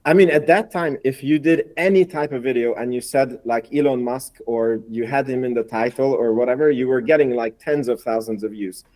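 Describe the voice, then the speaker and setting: Mellow-voiced man from Hungary, chatty. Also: medium pitch, brisk, hardly any pauses. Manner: chatty, repeats words, slightly non-native phrasing. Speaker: guest, investor and YouTuber. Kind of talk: casual podcast conversation.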